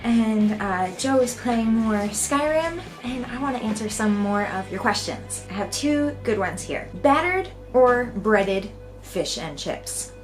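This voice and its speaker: An American woman talks to her camera at home in a relaxed, chatty way and often laughs. Her voice sits at an ordinary pitch for a woman. Soft music plays faintly behind her. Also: a little slow. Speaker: vlogger. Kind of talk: casual talk to camera.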